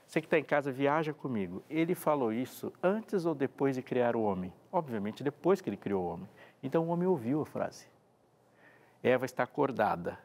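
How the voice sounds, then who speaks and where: A man's voice: medium pitch, very animated, a little fast, a little mellow. A man from Brazil, a pastor and TV presenter, talking on a devotional talk show and acting out quoted dialogue expressively.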